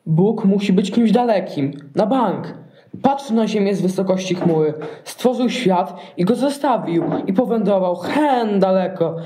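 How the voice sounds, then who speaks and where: Man acting a high-pitched, sarcastic Wise Man. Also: animated, unhurried, mellow, roomy sound, a little hiss or hum. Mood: skeptical, ironic. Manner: flippant, sarcastic, colloquial. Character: cocky, mocking young male Wise Man, skeptical. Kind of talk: amateur nativity radio play, colloquial.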